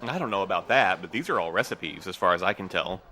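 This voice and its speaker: An actor playing a guarded, weary postmaster in an audio drama, speaking in a careful, slightly formal, measured way. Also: male voice, sits low, expressive, bright, forceful tone, slight background noise. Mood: measured, thoughtful. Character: guarded, weary postmaster man, evasive but courteous. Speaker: actor in a fiction podcast.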